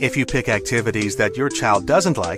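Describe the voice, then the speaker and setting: A man speaks at a fairly quick pace. Music is playing in the background. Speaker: voice actor. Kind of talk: e-learning narration. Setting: studio. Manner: authoritative, approachable.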